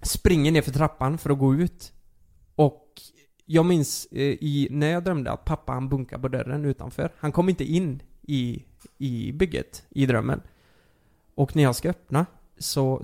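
A young man talks in a relaxed, chatty way. His story wanders, full of fillers and restarts. His mid-range voice has a gravelly edge. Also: medium pitch. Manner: rambling, many fillers and restarts. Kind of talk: casual storytelling.

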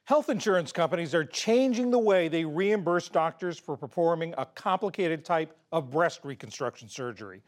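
A male news anchor reading scripted headlines and story introductions in a measured broadcast delivery. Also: on the high side, animated.

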